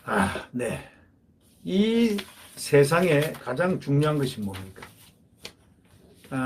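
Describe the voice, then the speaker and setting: A man's voice: a little high, a little hiss or hum. A man giving solo political commentary, talking emphatically and repeating phrases to drive his points home.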